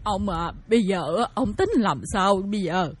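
A woman's voice: medium pitch, normal speed, slightly rough, close to an everyday voice. A woman playing a grieving older mother in a radio drama who pleads insistently with her husband. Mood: pleading.

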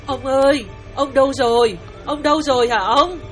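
A worried older wife. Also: male voice, very high voice, moderate pace, fairly bright tone, soft background music, pitched above the performer's own voice. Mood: calling anxiously. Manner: worried, calling out, stammering. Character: anxious older wife searching for her husband.

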